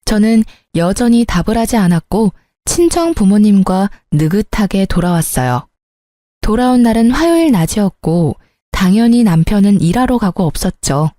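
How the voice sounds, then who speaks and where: Calm, mellow woman storyteller. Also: mid-range voice, no room sound, studio quality. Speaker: story narrator. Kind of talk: scripted first-person story narration.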